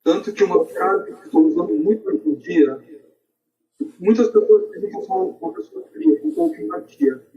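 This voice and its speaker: A man's voice: sits high, wildly swooping pitch, moderate pace, warm tone. A man with a Brazilian accent talking casually as a podcast guest, on a dull, distant-sounding microphone.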